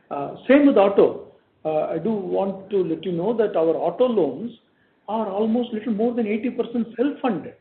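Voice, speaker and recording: A man with an Indian accent speaking as a bank executive on an earnings call, haltingly, repeating words as he goes. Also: high voice. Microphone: conference call line. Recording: echoey phone-like line with faint noise.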